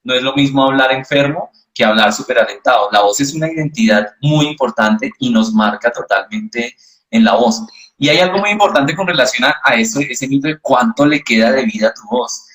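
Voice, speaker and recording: A man's voice: mid-range voice, a little fast. A man answering as a voice specialist in an interview, explaining patiently and teaching with examples. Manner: calm, didactic, uses examples. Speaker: voice specialist guest.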